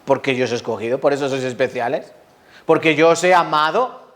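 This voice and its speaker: A man preaching a sermon, lively and full of rhetorical questions to the congregation. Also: mid-range voice, brisk. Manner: lively, asks the audience rhetorical questions, acts out quotes.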